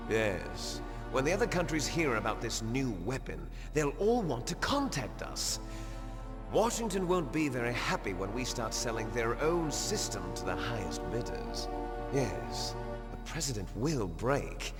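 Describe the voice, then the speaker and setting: A ruthless terrorist commander in a video game cutscene, grandiose and menacing. His delivery swings widely in pitch as he gives orders. Long reverb and clear background music surround him. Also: big pitch swings, measured pace. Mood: cold scheming. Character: ruthless male military commander of a terrorist unit, megalomaniac. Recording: long hall reverb under loud music.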